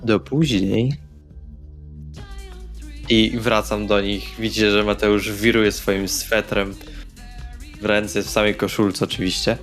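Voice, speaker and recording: A man's voice: lowish voice, fairly even intonation, slow, pauses often, faint music behind. A man role-playing in a tabletop game, speaking in short, laconic phrases.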